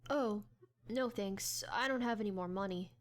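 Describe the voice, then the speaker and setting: A woman's voice: medium pitch, moderate pace, lightly acted. A woman voicing a polite, hesitant young boy in a dramatized audiobook. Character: polite, bookish young boy in a horror story.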